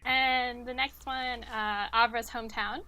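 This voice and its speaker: A woman's voice: fairly high pitch, fairly even intonation, unhurried, bright, forceful tone, a little hiss or hum, poor audio. A woman hosting a quiz, reading out trivia questions and chatting casually with the players. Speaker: quiz host.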